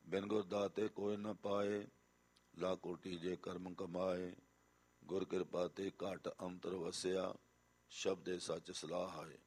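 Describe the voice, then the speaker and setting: A man with a very deep voice chants sacred verses at an unhurried pace. His delivery is measured and melodic, and he now and then repeats a line before moving on. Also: flat delivery, a little mellow, husky. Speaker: scripture reciter. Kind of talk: slow chanted scripture recitation.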